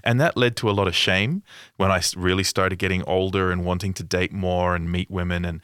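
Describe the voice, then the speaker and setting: A man hosting a podcast, speaking in a thoughtful, measured way. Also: low-pitched, fairly even intonation, fairly bright tone, clean tone, dry recording, clean studio sound. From Australia. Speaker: podcast host. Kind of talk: casual podcast conversation.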